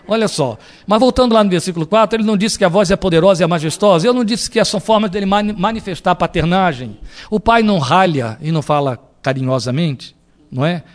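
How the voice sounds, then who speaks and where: A male pastor preaching a sermon in an animated way, often asking the congregation rhetorical questions. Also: high voice, quick pace.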